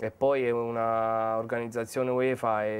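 A man's monotone, flat delivery at a very slow pace. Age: 30s. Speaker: futsal goalkeeper; guest. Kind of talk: interview at a lunch table. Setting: restaurant. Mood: relaxed, reminiscing. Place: cafe. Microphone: lapel.

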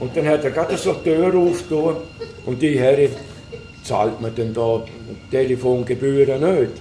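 A man speaks at a moderate pace with a Rheintal Swiss accent and ordinary pitch variation. Light background noise and audible room echo are present. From Rheintal, Switzerland. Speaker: storyteller. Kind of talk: anecdote storytelling. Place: home room. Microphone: phone near.

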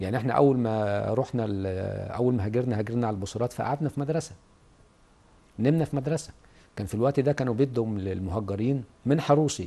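Man at a medium pitch, dark and mellow in tone, with ordinary pitch variation and a fairly quick pace. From Egypt, Port Said; Egypt. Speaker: novelist and short story writer; guest. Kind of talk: TV interview. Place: studio.

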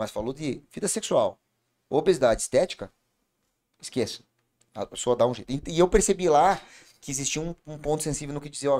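A man talks at a fairly quick pace with lively intonation. His loudness swings widely, and he takes long, frequent pauses. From Brazil, Curitiba; Brazil. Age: 40s. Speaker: doctor and health company executive; podcast guest. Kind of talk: casual interview. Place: studio. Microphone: studio mic.

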